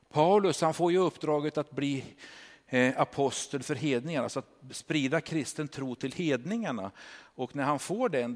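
A man in his fifties, a pastor of over thirty years, preaching a lively sermon and retelling stories with frequent rhetorical tag questions. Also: medium pitch. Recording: long hall reverb.

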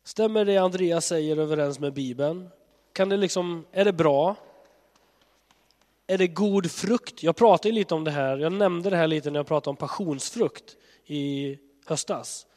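A man's voice: fairly high pitch, a little mellow. A man preaching in an earnest, conversational way, his voice affected by a cold. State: has a cold. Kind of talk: sermon. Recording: long hall reverb.

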